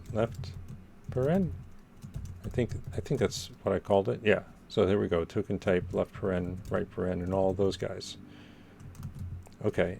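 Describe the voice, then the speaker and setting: A man with a very deep, low pitch and a dark, mellow tone speaks at a moderate pace, sounding somewhat breathy. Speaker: programming streamer. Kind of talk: live coding stream. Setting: Twitch stream. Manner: halting, self-correcting.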